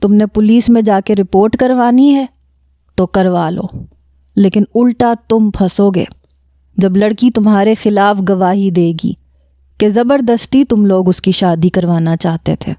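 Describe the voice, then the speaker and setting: A woman's voice: mid-range voice, dark tone, no room sound, studio quality, natural voice. A woman voicing an older uncle who speaks firmly and reasons things out. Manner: firm, reasoning.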